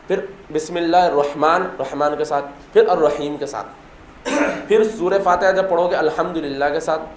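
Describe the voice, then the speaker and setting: A man recounting a religious story in an emphatic, repetitive way, throwing out rhetorical questions. His voice is a little high. The sound is roomy and echoey, with faint ambience underneath. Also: slight background noise. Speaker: religious speaker.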